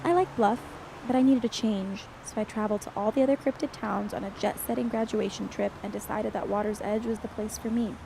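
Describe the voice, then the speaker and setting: A woman's voice: mid-range voice, fairly even intonation, a little fast, creaky, noisy background, close to an everyday voice. An actress playing an anxious, homesick young woman with a wry streak in an audio drama, speaking casually. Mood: wistful. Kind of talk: acted dialogue in an audio drama podcast.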